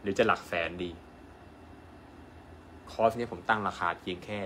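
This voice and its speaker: A man, a doctor, giving an animated live-stream sales pitch and asking his viewers rhetorical questions. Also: normal speed, slight background noise. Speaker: acupuncture doctor selling an online course.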